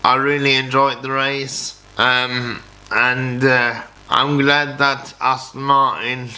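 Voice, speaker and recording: A man in his thirties reviewing a race casually to camera, speaking haltingly and often repeating and restarting his words. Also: medium pitch, flat delivery, sharp tone, rough recording. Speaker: motorsport vlogger. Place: small home office, indoors.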